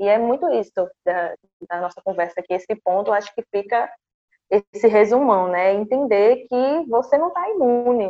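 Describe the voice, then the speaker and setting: A plain, everyday voice from a woman, fairly high in pitch, with lively intonation at a moderate pace. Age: 20s. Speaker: content creator. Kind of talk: casual discussion. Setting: video call.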